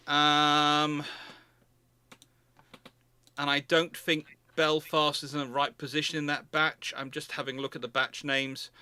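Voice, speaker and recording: A man hosting an unscripted livestream question-and-answer talk, thinking aloud haltingly and correcting himself as he goes. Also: fairly high pitch, bright, forceful tone, dry recording. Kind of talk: unscripted naval history Q&A talk.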